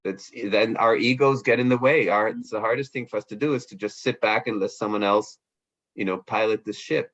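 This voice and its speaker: A man's voice: lowish voice, fairly even intonation, brisk, fairly bright tone, lo-fi sound. A middle-aged man giving reflective, explanatory interview answers in a conversational, self-deprecating way. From Israel, East Africa and Switzerland. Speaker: interview guest, hostage negotiator and lawyer.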